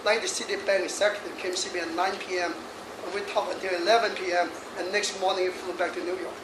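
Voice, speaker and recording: 60s guy giving a fun feng shui talk, highish voice, roomy hall, noisy far-off recording. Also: flat delivery, fast talker. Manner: jokey, laughs often, chatty asides. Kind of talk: lively lecture to an audience. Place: hall in front of an audience. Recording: echoey hall audio from afar with noise.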